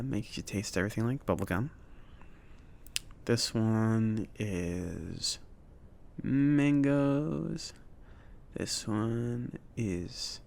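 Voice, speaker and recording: Male performer as gentle, slightly awkward potion-shop mage for ASMR roleplay. Slow, creaky, casual delivery, faint noise behind. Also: on the low side, heavily acted. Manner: halting, casual, chatty, filler-laden. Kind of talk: soft-spoken ASMR roleplay.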